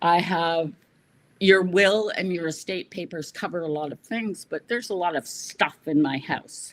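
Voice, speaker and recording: In a Canadian accent, an unremarkable speaking voice talks at a fairly slow pace with ordinary pitch variation, on a very clean recording with a silent background. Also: woman. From Canada, Ottawa. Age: 60s. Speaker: graphic designer and family caregiver. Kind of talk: interview.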